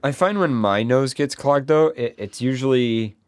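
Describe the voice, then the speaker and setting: A man's voice: medium pitch, moderate pace, smooth, no room sound. A man co-hosting a live podcast, telling rambling stories in casual chat. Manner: rambling, lively storytelling. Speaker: podcast co-host. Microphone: studio microphone.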